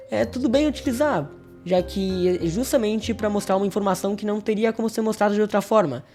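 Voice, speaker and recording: Speaking informally and directly to the audience, a Brazilian horror review host delivers relaxed video essay commentary. The voice sits at medium pitch and has a mellow quality.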